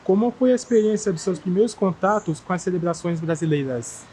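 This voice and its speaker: A woman's voice: on the low side, lively intonation, fairly quick, mellow, slight background noise. A woman interviewer asking short, plain questions.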